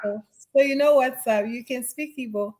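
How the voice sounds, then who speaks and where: Upbeat high-voiced woman host. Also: moderate pace, crowd noise. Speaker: host of a live audio room. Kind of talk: hosting casual live chat.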